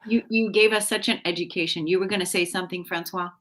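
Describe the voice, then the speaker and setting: A woman co-hosts a heartfelt talk show in a low-pitched voice. She gushes with effusive praise and pads her sentences with fillers. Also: steady tone, fast, a bit bright. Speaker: co-host.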